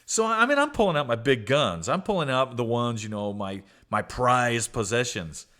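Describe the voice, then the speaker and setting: A man hosting a podcast, telling a story with animated delivery and acted-out childhood voices. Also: medium pitch, normal speed. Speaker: podcast host.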